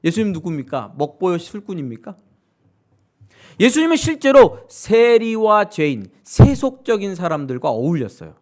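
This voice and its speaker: A male pastor preaching a sermon. He keeps putting questions to his congregation and acts out what other people say. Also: normal speed. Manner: animated, asks the congregation questions directly; acts out quoted voices with sudden high-pitched outbursts.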